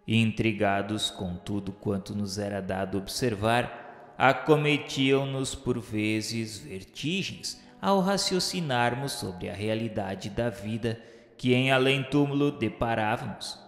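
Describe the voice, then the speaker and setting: Slow, echoing Brazilian male narrator. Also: on the low side. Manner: formal, declamatory, measured. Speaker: narrator of a radio novela. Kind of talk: solemn, literary scripted narration. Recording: echoey hall-like reverb under music. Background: music.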